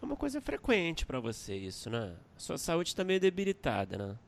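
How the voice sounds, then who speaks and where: A man's voice: on the high side, huge pitch swings, a little fast, gravelly, a crowd in the background. A man co-hosting a podcast, casual and earnest in tone. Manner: teasing, then earnest and congratulatory. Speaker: podcast co-host.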